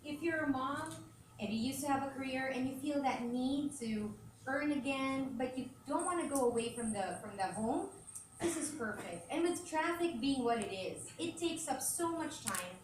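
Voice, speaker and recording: A woman's voice: sits high, lively intonation, normal speed. A woman speaks candidly and conversationally at a press conference. She laughs easily as she talks. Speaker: radio host, brand ambassador. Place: large event hall. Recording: echoey hall, distant mic, ambient noise.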